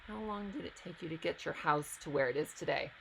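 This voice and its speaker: A woman's voice: low-pitched, fairly quick, gravelly, a little hiss or hum, low-quality recording. A woman hosting a live stream, reading out viewer questions and answering them in a chatty, casual way.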